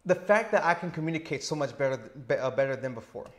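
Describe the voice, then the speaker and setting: Slow, deliberate man with a stutter. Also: on the high side, lively intonation. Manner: speaks slowly and deliberately to manage a stutter. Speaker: interview guest, teacher living abroad. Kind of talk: casual interview. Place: indoor lounge with sofa. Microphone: lapel mic.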